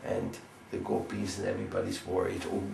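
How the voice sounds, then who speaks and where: Gravelly man telling a devotional story. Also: lowish voice, unhurried, noisy background. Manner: lively storyteller, conversational, "no?" tags. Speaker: spiritual teacher. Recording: roomy, distant mic, faint ambience.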